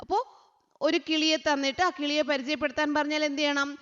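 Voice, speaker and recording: A woman tutor, teaching young children, asking questions and answering them herself, sometimes chanting lines slowly. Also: high voice, flat delivery, fairly bright tone. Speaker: online tutor. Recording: dull sound with a long echo.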